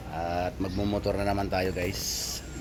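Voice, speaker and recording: A man with a fairly low pitch speaks in a monotone, flat intonation. Noticeable background noise and audible room echo surround him. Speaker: vlogger and freelance worker. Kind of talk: casual vlog narration. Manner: halting, many fillers.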